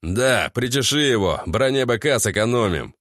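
Give me a man doing a gruff male commander barking short orders in an audiobook, medium pitch. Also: lively intonation, moderate pace, a bit bright, no room sound, clean studio sound. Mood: commanding. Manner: curt barked orders with swearing. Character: gruff male squad commander, blunt, swearing. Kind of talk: audiobook character voice.

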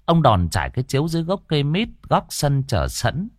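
A man narrating a ghost story in a lively, expressive reading. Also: fairly high pitch, fairly quick, no room sound, studio quality.

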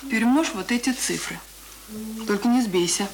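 A woman's voice: medium pitch, moderate pace, creaky, lightly acted. An actress playing a teasing, bossy village teenage girl who tutors, in a radio play. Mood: bossy, instructing. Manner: instructing, mocking. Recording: noisy old radio play recording.

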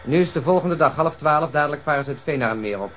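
An actor playing a blunt, sardonic police detective in a Dutch radio drama. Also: male voice, on the high side, animated, fast, fairly bright tone, slight background noise. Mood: wry, brisk. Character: sardonic male police detective commenting on evidence film.

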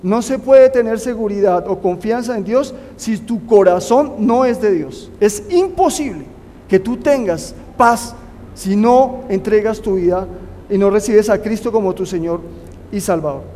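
A man's voice: high voice, animated, a little slow, mellow, slight background noise. A man preaching a sermon, earnestly urging his listeners to put their trust in God. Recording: long hall reverb.

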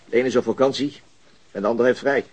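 An actor playing a dogged, frustrated police detective in a radio drama, insistent and questioning with some hesitation mid-sentence. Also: male voice, medium pitch, fast talker, husky, lightly acted. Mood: probing. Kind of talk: Dutch radio drama acting, conversational.

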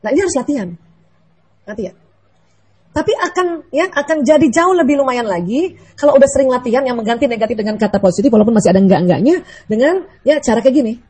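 A woman giving a lively, playful religious lecture to mothers, often asking the audience questions. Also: on the high side, quick pace, breathy edge, rough recording. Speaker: Islamic lecturer.

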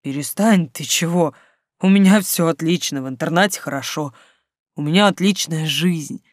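Reader doing a steady teen boy, matter-of-fact, slightly lower tone, dry close sound. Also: moderate pace, no echo, natural voice. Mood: firm. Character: calm teenage boy, sporty and self-assured.

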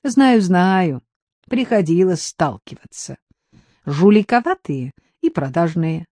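A woman voicing a skeptical grown woman with quick, dry retorts in an audiobook. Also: lowish voice, expressive, warm tone, no echo.

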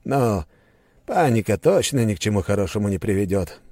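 A man's voice: fairly low pitch, very animated, moderate pace, mellow, no room sound, pitched above the performer's own voice. A man voicing a scheming middle-aged prince who sounds reassuring but is only feigning concern. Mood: smooth. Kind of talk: audiobook character voice.

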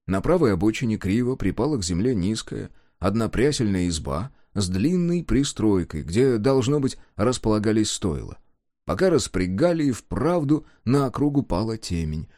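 A man narrating a folk tale in an expressive, folksy storytelling manner, as in an audiobook. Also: lowish voice, normal speed, no room sound, clean studio sound.

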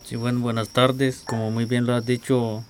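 Halting man in field interview. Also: mid-range voice, little pitch movement. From Costa Rica. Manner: halting, repeats words while searching. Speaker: indigenous community spokesman. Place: outdoors in a rural community. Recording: outdoor field recording with clear background noise.

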